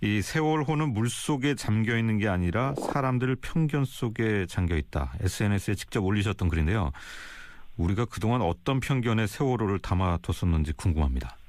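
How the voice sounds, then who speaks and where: A man's voice: lowish voice, lively intonation, fairly quick, darkish tone, no room sound. A man hosting a formal radio interview, asking questions in an orderly, polite broadcast manner.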